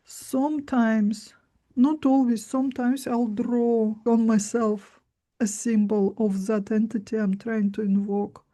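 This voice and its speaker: A woman's voice: a little high, fairly even intonation, takes it slowly, mellow. A woman giving informal spiritual instruction in short, simple phrases. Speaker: spiritual teacher.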